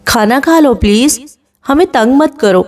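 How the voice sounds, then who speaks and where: A woman's voice: on the high side, animated, pitched above the performer's own voice, natural voice. A woman voicing a stern young brother. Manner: harsh, scolding.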